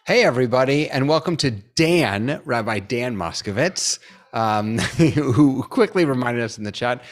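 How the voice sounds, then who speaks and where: A man's voice: medium pitch, expressive, unhurried. A man chatting casually as co-host of an online panel. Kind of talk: casual chat.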